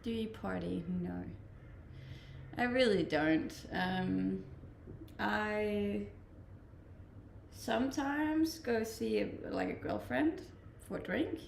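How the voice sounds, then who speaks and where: Reading comments from her stream viewers, a relaxed woman from Denmark in her twenties laughs and chats in a Danish accent. She speaks slowly with a medium, creaky voice, and the echoey room carries slight background noise.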